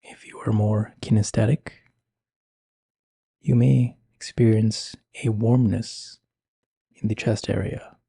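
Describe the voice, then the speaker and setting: A man speaking slowly and gently with long pauses, guiding a meditation in a soft, breathy voice. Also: fairly low pitch, level tone, no echo, studio quality. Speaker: meditation guide. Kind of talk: guided meditation.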